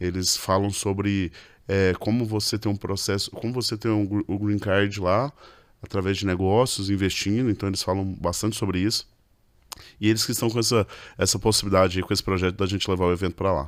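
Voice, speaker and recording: A man with a fairly low pitch talks at a fairly quick pace with fairly even intonation, in a very clean recording over a silent background. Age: 30s. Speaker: real estate entrepreneur and speaker. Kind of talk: podcast interview.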